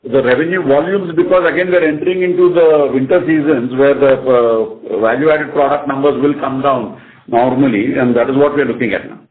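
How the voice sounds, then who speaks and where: A man's voice: mid-range voice, brisk, few pauses. Indian male executive on a phone line. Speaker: company executive on an earnings call. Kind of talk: answering analyst questions. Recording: tinny narrow phone-line conference call.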